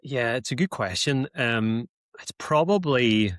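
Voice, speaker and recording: A man's voice: mid-range voice, animated, measured pace, dry recording, clean studio sound. A man, chatting as a coaching client, hesitant with many ums and restarts. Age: 30s. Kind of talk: casual chat on a call.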